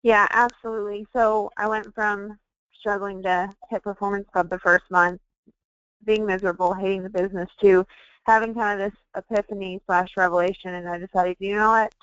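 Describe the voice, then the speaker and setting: A woman's voice: mid-range voice, steady tone, moderate pace, fairly bright tone, clean tone, dry recording. A woman guest on a webinar telling her own sales story in a candid, informal, conversational way. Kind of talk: conversational personal testimonial. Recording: dull, lo-fi webinar audio.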